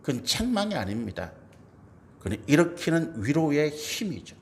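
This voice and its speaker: A middle-aged man delivers a Sunday sermon in a church with a high, lively voice that leaps up and drops low as he acts out quoted speech. He keeps turning to the congregation with rhetorical questions. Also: normal speed, vocal fry. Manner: dramatic, acts out quoted voices with big swings in pitch and loudness. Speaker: pastor. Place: church sanctuary.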